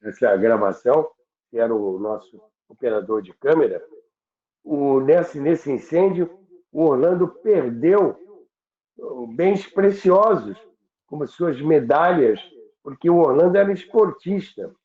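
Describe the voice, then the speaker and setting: An older man tells radio history conversationally, in a halting, reflective, deliberate way. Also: fairly high pitch, lively intonation. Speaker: radio history presenter, former radio worker. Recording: roomy, echoing phone-like narrow sound.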